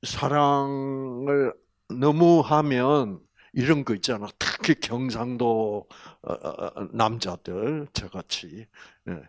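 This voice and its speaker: Older Gyeongsang man lecturing, slow. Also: medium pitch, dry recording, clean studio sound. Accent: Gyeongsang Korean. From Gyeongsang region, Korea. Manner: folksy, animated storytelling with laughs and rhetorical questions. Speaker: health lecturer. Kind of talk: health lecture to an audience.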